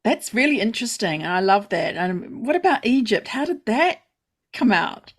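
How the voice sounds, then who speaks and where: A woman's voice: on the high side, sing-song, moderate pace. Upbeat woman hosting an interview. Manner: enthusiastic, encouraging, laughs often. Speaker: podcast host. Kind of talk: casual interview chat.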